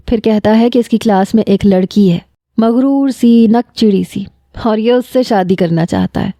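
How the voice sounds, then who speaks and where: A woman voicing a chatty, cheerful young sister-in-law who coaxes and teases in a lively way. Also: on the high side, no room sound, close to an everyday voice.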